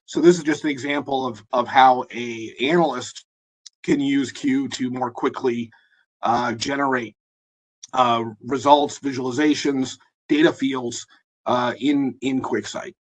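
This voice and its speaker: A man with a hoarse, husky voice presenting a live software demo in a webinar, talking in a halting way with many fillers and restarts. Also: medium pitch, steady tone, poor audio. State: hoarse, losing his voice.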